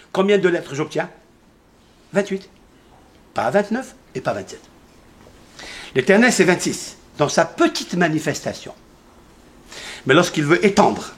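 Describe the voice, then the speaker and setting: A man giving a Torah lesson in a synagogue, firing questions at his listeners, answering them himself and repeating key numbers emphatically. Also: on the high side. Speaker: rabbi teaching a Torah class. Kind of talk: lively Torah lesson to a congregation.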